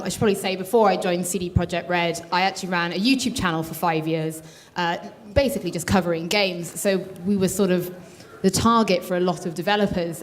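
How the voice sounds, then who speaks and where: A woman on a conference panel, making steady, clear points. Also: mid-range voice. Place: conference stage.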